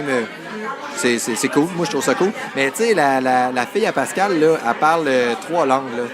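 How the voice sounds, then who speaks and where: A man with a Quebec accent at a moderate pace, his fairly high voice lively in intonation, with crowd noise behind him. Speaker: podcast co-host, father. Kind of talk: casual podcast conversation.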